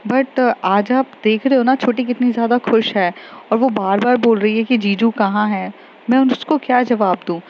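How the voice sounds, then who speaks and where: A worried young woman , voiced by a female storyteller, presses her partner with caring questions in mixed Hindi and English. Her pitch sits a little high. The recording is slightly muffled, with faint background noise. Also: moderate pace, lightly acted.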